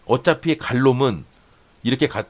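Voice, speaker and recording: At a normal speed and in a mid-range voice, a man hosts a stock trading channel and teaches day traders to read a chart. His explanatory delivery keeps pointing out "here" and "this much," repeats phrases to drive them home, and leans often on "right?"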